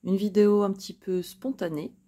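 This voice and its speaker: A tarot card reader with a warm, medium-pitched voice, fairly even intonation, and moderate pace lays out cards for her viewers in a casual spoken reading. She is chatty, hesitates often with frequent fillers, and jokes at her own expense.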